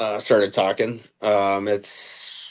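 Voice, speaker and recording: A man with a Wisconsin accent and a fairly low pitch, against a quiet background. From eastern Wisconsin, near Green Bay. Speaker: hunter. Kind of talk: casual chat.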